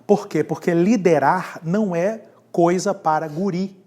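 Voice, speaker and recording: A pastor gives a classroom lecture on leadership. His delivery is lively, and he keeps coming back to the same key words. He questions the class as he goes. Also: high voice, measured pace.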